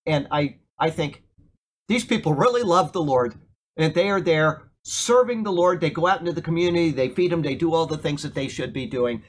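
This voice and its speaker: A man's voice: on the high side, a little fast, slight background noise. A man, preaching a casual sermon and often checking in with his listeners. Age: 50s. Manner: conversational, keeps asking "okay?". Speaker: pastor.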